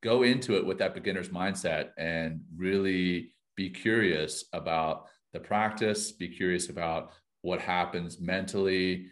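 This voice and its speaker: A man's voice: sits low, a little slow, hardly any pauses. A man co-hosting a podcast, encouraging listeners with repeated, coaxing phrases. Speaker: podcast co-host.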